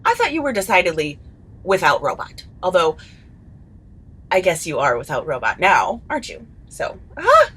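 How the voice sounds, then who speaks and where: A woman's voice: lowish voice, wildly swooping pitch, normal speed, a bit bright, slightly rough, full character voice. An actress playing a chatty, gleefully sneaky woman in a comedy audio drama, teasing and mock-innocent. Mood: smug, teasing.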